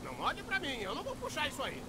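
A man's voice: very high-pitched, huge pitch swings, fast, heavy background noise, full character voice. A man with a Brazilian accent voicing a small, grumpy, sarcastic raccoon mercenary in a video game. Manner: snarky, complaining. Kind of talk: dubbed video game dialogue.

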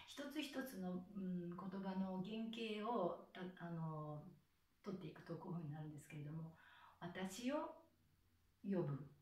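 A woman's voice: fairly low pitch, a little mellow, reverberant, far from the mic, a little hiss or hum. A woman, a soprano, giving a pronunciation lesson and patiently sounding out syllables one by one. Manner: patient, slow demonstrative enunciation of syllables. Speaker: soprano and singing teacher.

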